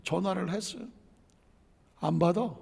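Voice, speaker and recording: A man preaching in a high, gravelly voice, carried by a long reverb as if in a church hall. He talks to his congregation conversationally, tosses out rhetorical questions and repeats key phrases for emphasis. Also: unhurried, darkish tone. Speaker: pastor. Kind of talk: sermon.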